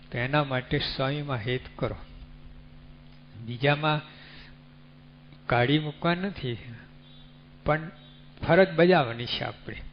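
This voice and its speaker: A man giving a devotional sermon, unhurried and teaching through rhetorical questions and everyday examples. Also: medium pitch. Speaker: religious speaker. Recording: dull lo-fi recording with faint hum.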